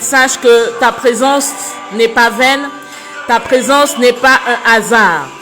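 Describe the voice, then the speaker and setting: A woman leading an online prayer session, speaking fervently with repeated phrases that often rise near a shout. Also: on the high side. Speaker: prayer leader.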